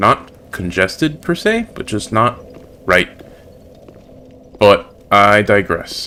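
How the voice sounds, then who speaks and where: With an American accent, a man speaks at a very slow pace with long, frequent pauses over noticeable background noise. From US, Florida. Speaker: gaming streamer. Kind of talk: live stream commentary. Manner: casual, with repeated words.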